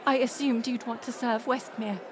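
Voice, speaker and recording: Music and a banquet crowd's murmur fill the background as a woman plays a proud, tired, middle-aged queen mother, formal and commanding, with a defensive edge. Her natural-sounding voice is on the high side with fairly even intonation at normal speed, over a slight hiss or hum.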